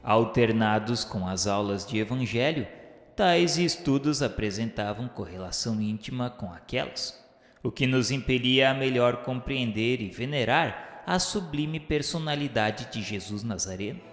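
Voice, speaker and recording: An actor with a Brazilian accent playing a solemn male spirit narrator in a radio drama, speaking in formal, measured, declamatory literary phrases. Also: mid-range voice, animated. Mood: solemn, reverent. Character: solemn male spirit recounting his afterlife studies and remorse. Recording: echoey hall reverb under music. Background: background music.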